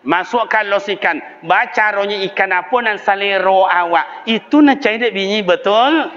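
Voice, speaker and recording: A man preaching a lively, humorous sermon in a village mosque, speaking, acting out the voices in his stories and putting questions to the congregation. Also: high voice, normal speed. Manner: animated storytelling, acts out voices, quizzes the congregation. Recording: dull lo-fi sermon recording with faint ambience.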